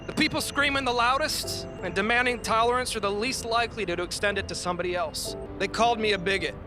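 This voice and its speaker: A man's voice: high voice, quick pace, over music, lightly acted. An actor playing an indignant Christian man giving an earnest, defiant film speech. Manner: earnest, declarative, oratorical.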